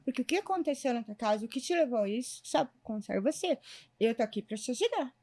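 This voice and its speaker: Woman, Brazilian accent, high voice, lawyer, conversational storytelling, acts out quoted dialogue. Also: animated, quick pace, dark tone. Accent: Brazilian Portuguese.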